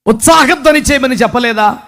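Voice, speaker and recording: A male pastor preaching a sermon, emphatic and scolding, firing off rapid rhetorical questions before exhorting his congregation. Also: very high-pitched, a bit bright.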